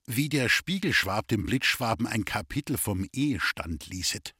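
A man reading an old folk tale aloud as an audiobook, with lively, old-fashioned storytelling. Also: lowish voice, normal speed, husky, no echo, clean studio sound. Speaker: reader.

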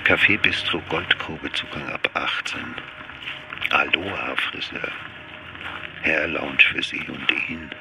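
A man flatly reading out a list of shop names. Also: a bass voice, takes it slowly, vocal fry, noisy background. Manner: flat, listing.

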